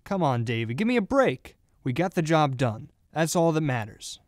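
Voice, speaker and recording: A man's voice: on the high side, sing-song, normal speed. An actor playing a reckless, defensive young gunman in an amateur radio drama. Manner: defensive, pleading.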